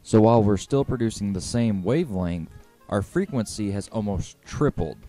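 A man's voice: on the low side, expressive, moderate pace, warm tone, soft background music. A man explaining physics step by step in a scripted educational narration.

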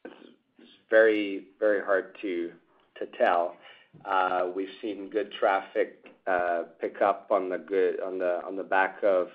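Low-voiced executive on a phone line. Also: male voice. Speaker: company executive answering analysts. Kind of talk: earnings call answers. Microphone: telephone conference line. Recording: narrow, tinny phone line.

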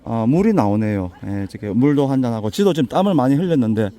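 Climbing a mountain path outdoors and short of breath, this older vlogger, known for touring local alleys, keeps up folksy, joking chatter in a heavy Busan Gyeongsang accent. His voice is hoarse and a bit raspy, mellow and dark, sitting at a medium pitch, animated and quick. It's a relaxed walking vlog.

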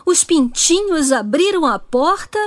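Slow, melodic Brazilian woman storyteller. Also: high voice, big pitch swings, background noise. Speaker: narrator. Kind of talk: children's storybook narration.

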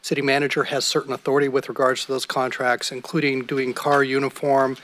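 A middle-aged man gives a city attorney's report in measured legal language. His pitch stays very level and even throughout, and he speaks into a desk microphone on the council dais. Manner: measured, formal legal phrasing.

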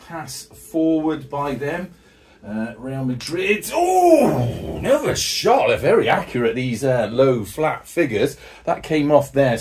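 A man, the host, commentating his own tabletop football game play by play, excitable and jokey with sudden loud outbursts, out of breath from the heat. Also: mid-range voice, recorded from a distance. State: out of breath, hot.

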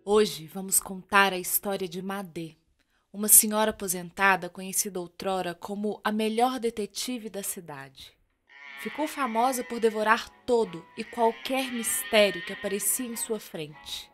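A woman with a Brazilian accent narrating a radio serial as theatrical storytelling, with deliberate dramatic pauses. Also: medium pitch, fairly bright tone.

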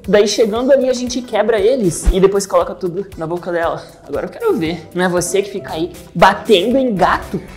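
A woman from Brazil giving playful, excitable let's-play commentary, giggling and talking straight to her viewers. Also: mid-range voice, brisk, hardly any pauses, soft background music. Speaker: gaming YouTuber.

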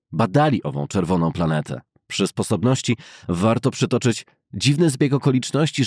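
Low, husky male audiobook narrator. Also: darkish tone, no room sound, clean studio sound. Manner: measured, formal storytelling. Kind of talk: scripted literary narration of a novel.

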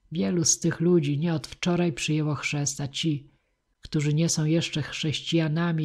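A woman reading the part of a young, impassioned male knight in an audiobook, husky-voiced. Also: low voice, darkish tone.

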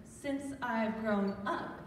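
A woman's voice: fairly high pitch, extremely slow. A woman playing a haughty, prim teenage big sister in a stage radio play. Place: large church auditorium, recorded from the audience. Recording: echoey hall from far off, faint noise.

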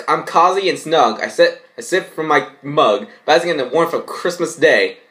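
A man's voice: mid-range voice, a bit bright. A young adult man rambling casually and reading aloud in an amateur way, often stumbling over his words, recorded at home in a bedroom. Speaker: vlogger reacting to and reading fan fiction.

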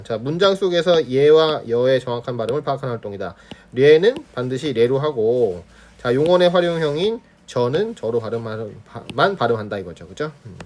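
A man's voice: medium pitch, darkish tone, slight background noise. A male teacher giving an online lesson on pronunciation, demonstrating sounds and checking in with students constantly. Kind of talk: online Korean grammar lesson.

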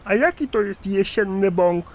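Man acting an old cartoon pal, high-pitched, nosy, sceptical, incredulous questioning. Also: animated, moderate pace, creaky, a little mellow. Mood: curious. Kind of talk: cartoon comedy skit acting.

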